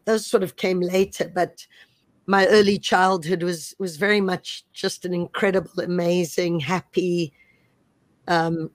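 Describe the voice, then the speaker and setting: Low-voiced thoughtful woman from Zimbabwe. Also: no echo. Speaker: sports coach. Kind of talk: reflective interview conversation.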